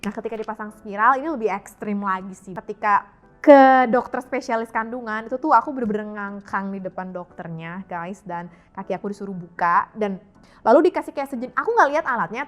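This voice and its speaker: A woman's voice: medium pitch, a bit bright. A young adult woman talks candidly and casually to her viewers, dropping English phrases into her chat. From Indonesia, mixed European and Indonesian family. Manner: frank, chatty, code-mixing English phrases. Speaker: YouTube health and fitness vlogger.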